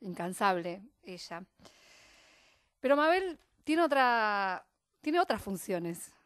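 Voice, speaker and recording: A woman with an Argentine Spanish accent speaks at an ordinary pitch, friendly and direct. She introduces her guest and puts questions to her. The studio sound is dry and close. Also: big pitch swings, slow pace, clear, resonant tone, no echo. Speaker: radio interviewer. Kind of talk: radio interview. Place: radio studio.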